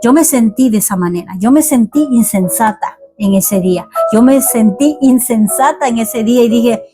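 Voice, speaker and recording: A woman's voice: a little high, moderate pace. A woman preaching a heartfelt sermon testimony, earnest and exhorting, repeating phrases for emphasis. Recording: music playing clearly behind her. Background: music.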